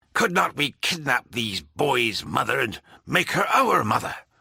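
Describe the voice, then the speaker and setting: A man's growling, put-on character voice at medium pitch and a moderate pace. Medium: read story.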